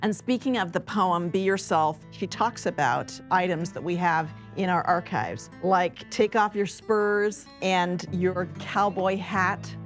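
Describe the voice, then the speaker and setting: Lowish-voiced American woman narrating over guitar. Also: slow pace, hardly any pauses. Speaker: archivist and narrator. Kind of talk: documentary storytelling.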